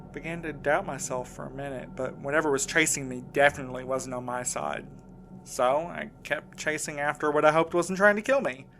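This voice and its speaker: A man's voice: fairly high pitch, a bit bright, a little hiss or hum. Actor as shaken, insistent man over music. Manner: halting, earnest, defensive. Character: shaken, insistent man recounting a frightening ordeal. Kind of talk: audio drama acting, first-person recounting.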